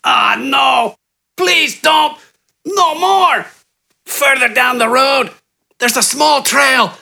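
A man voicing a cowardly, injured bandit who whimpers, gasps in pain and pleads in a high, strained voice. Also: level tone, measured pace, bright, forceful tone, full character voice. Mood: panicked pleading. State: in pain, gasping.

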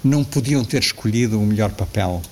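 Older Portuguese man, reflective and low. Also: a little fast, a little hiss or hum. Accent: European Portuguese. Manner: reflective, frequent restarts and soft laughs. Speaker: guest. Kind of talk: casual interview conversation.

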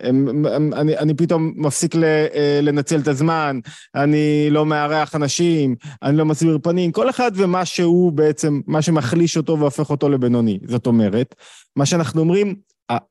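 A man's voice: a little high, a little mellow, no echo. A man hosting and teaching a study series over a video call, explaining his ideas through rhetorical questions and lists of examples.

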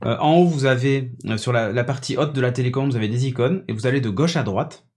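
A man's voice: mid-range voice, fast, darkish tone. A man hosting a casual tech podcast, chatty and enthusiastic as he demonstrates a gadget, with plenty of hesitations. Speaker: podcast host presenting a gadget. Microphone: podcast studio microphone on a mixing desk.

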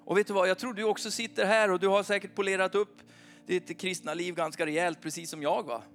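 A man in his forties preaching an informal, animated sermon at a church meeting, often asking his listeners "va?". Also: sits high, faint music behind. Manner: chatty, animated, keeps asking the crowd "va?".

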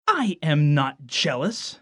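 A man's voice: on the high side, sing-song, takes it slowly, sharp tone, slightly rough, full character voice. A man in his twenties playing a jokey, petulant, mock-indignant friend in an audio drama. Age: 20s. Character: wisecracking, petulant 27-year-old male friend, Alfie.

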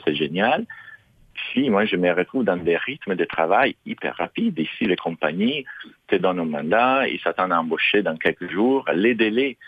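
A man's voice: low-pitched, dry recording. A middle-aged man from Italy, speaking French as a second language, answering interview questions with many fillers and restarts. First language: Italian. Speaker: guest. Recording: dry, phone-like narrow sound.

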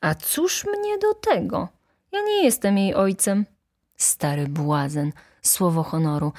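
A woman voicing a hot-tempered, indignant poor young male student who shouts in outrage. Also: medium pitch, animated, slow pace.

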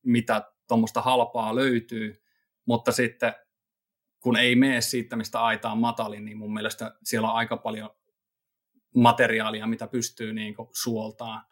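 Rambling relaxed man chatting. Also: mid-range voice. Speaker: podcast co-host living in Japan. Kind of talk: casual chat.

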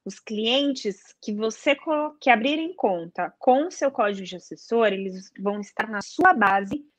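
This woman, a guest on a casual chat, lays out investment advisor certification step by step, pausing to check in with "tá?" and posing questions to herself. Her voice is higher than average and expressive, her pace unhurried, with no room sound.

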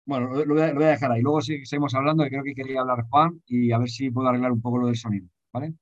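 In a seminar discussion, a man with a Spanish accent from Spain asks a rambling, hesitant question, often adding tag questions. His mid-range voice holds a steady tone and comes out rapid-fire. The lo-fi recording is slightly dull and dry, with no room sound.

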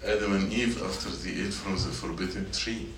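Speaking at normal speed with a low voice and fairly even intonation, a man teaches middle schoolers a sermon in a church meeting room as their youth teacher. He asks the students questions and repeats his points, heard through a distant mic amid echo and faint noise.

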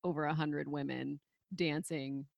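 Easygoing woman with a lower voice. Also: flat delivery, measured pace, creaky, no echo, muffled recording. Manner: easygoing, laughs often, reacts with short fillers. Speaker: podcast co-host. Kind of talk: casual movie chat.

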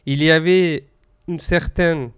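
A man's voice: on the high side, fairly even intonation, slow, clear, resonant tone. A man whose first language is Arabic, reading a news item on a talk show with some hesitations. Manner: reads with hesitations and fillers. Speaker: news segment presenter.

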